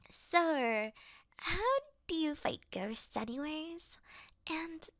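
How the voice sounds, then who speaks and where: Woman acting as timid girl thief faking toughness, slow-paced, stammering, pouty, close dry sound, ASMR roleplay. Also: sits high, animated, a bit bright, dry recording, exaggerated voice. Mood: sheepish, relieved. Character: clumsy, easily scared young female dungeon thief acting tough.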